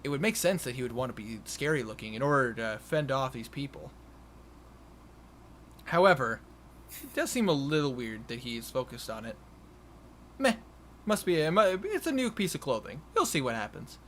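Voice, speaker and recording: A man improvising narration as game master of a tabletop game, haltingly repeating and restarting his phrases. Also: mid-range voice, sing-song, fairly bright tone. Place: online voice call. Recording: noisy home voice-chat recording.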